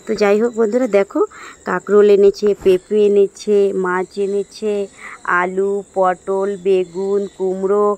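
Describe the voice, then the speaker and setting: A hoarse woman chatting casually to her viewers as friends while vlogging her day at home. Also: mid-range voice, a little mellow. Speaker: daily-life vlogger. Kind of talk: casual chat to camera. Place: at home, sitting under a ceiling fan.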